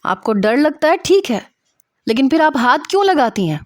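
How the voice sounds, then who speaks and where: A woman's voice: medium pitch, dry recording, natural voice. Woman acting a stern, furious male doctor. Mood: loud, furious. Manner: harsh, emphatic, reprimanding.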